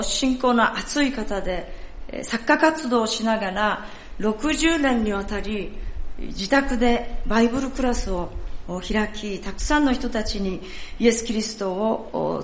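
A woman leading a church service, speaking in a polite, formal and measured way. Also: medium pitch. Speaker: church worship leader. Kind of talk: sermon talk at a church service. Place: church sanctuary. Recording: echoey church hall, faint noise.

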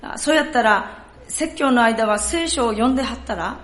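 Brief: kindly Kansai pastor, put on by a woman, gentle and consoling, in a roomy church. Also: fairly high pitch, moderate pace, lightly acted. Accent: Kansai dialect, put on.

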